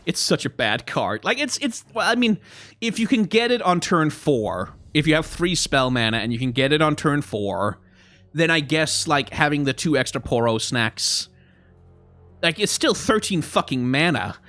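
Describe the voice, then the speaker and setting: A young man, a little hoarse, chatting casually on a live stream, rambling and answering his chat as he reviews card art. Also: on the high side, sing-song, normal speed, a bit bright, no echo, soft background music. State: slightly hoarse.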